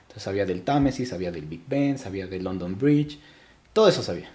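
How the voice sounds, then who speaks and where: A man's voice: low-pitched, expressive, fast, darkish tone. A young man from Ecuador, a podcast guest, talking reflectively in casual interview chat with frequent restarts.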